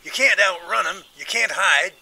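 An actor playing a blunt, seasoned Bigfoot adviser in a radio drama. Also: male voice, high voice, moderate pace, gravelly, slightly rough, heavily acted. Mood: urgent. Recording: loud noisy background ambience.

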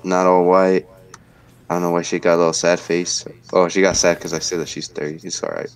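A man's voice: low-pitched, flat delivery, fairly quick, smooth. A man in his twenties hosting a casual livestream from home, bantering in slang and reading chat messages aloud. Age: 20s. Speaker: livestream host. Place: indoor home room, webcam stream.

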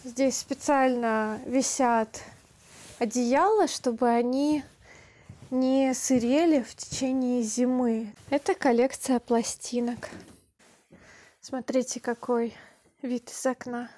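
A young woman vlogging with a camera held at arm's length, calmly explaining as she walks through a country house and its yard, speaking slowly and clearly for language learners. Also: fairly high pitch. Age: young adult. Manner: calm, unhurried, deliberate explaining. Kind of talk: slow, clear Russian for learners. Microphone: handheld camera at arm's length.

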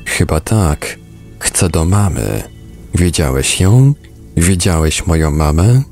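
Guy with a deep gravelly voice doing a sad lost little girl from a storybook, plaintive. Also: animated, takes it slowly, darkish tone, soft background music, heavily acted.

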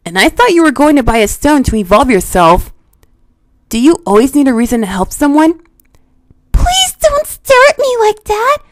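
A woman voicing an eager, brash boy hero of about ten from a cartoon, excitable and quick to shout. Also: sits high, dry recording. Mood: excited. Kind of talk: cartoon voice impression demo.

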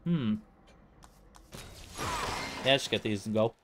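A man's voice: lowish voice, animated, slow. A man giving casual live commentary as he plays through a video game. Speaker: video game streamer, speedrunner. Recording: faint noise, game audio behind. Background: video game ambience.

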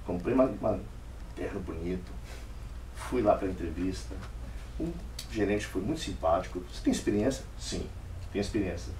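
Animated man telling a story in an echoey room. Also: low-pitched, moderate pace, pauses often, recorded from a distance, slight background noise. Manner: animated, acts out dialogue in varied voices. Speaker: speaker giving a club speech. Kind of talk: storytelling speech. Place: meeting room.

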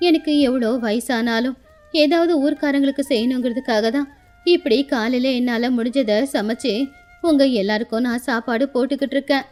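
A woman voicing an affectionate, sorrowful elderly village grandmother, speaking slowly and plaintively in a children's moral story. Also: fairly high pitch, a little mellow, lightly acted. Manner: plaintive, slow, tender.

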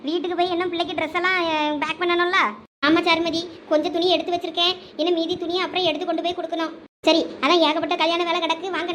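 A woman's voice: extremely high pitch, pushed and bright, slight background noise. A woman with a Thoothukudi Tamil accent performing village family comedy drama dialogue, chatty, scolding and coaxing.

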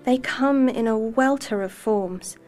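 A young woman voice actor giving measured, storytelling narration. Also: on the high side, a little mellow. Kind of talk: scripted narration reel.

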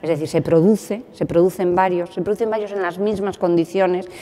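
Low-voiced woman musing reflectively. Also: steady tone, a little fast, mellow. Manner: reflective, restarts phrases. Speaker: activist, organizer. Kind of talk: interview talk.

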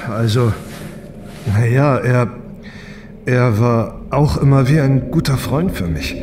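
An actor playing an easygoing, dutiful test pilot and older brother in an audio drama, casual and thoughtful. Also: male voice, medium pitch, slow, noisy background, natural voice. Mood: reflective.

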